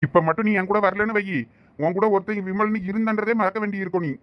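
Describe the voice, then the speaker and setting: A man's voice: sits high, steady tone, fast talker, dry recording, lo-fi sound, close to an everyday voice. A man voicing a hot-tempered loyal friend with a Thoothukudi accent. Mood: urgent. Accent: Thoothukudi Tamil. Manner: scolding, pleading with his friend. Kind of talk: cartoon voice acting.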